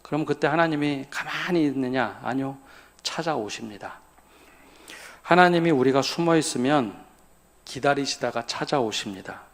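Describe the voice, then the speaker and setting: A man's voice: mid-range voice, expressive, moderate pace. Pastor asking his congregation questions. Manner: keeps asking the congregation questions and answering them. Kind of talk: sermon. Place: church at a midweek prayer service.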